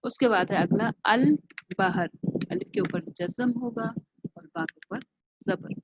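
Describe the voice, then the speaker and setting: A woman with a Pakistani accent teaching a class online, sounding out words slowly and carefully and repeating them. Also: on the high side, animated, background noise. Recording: dull lo-fi home recording.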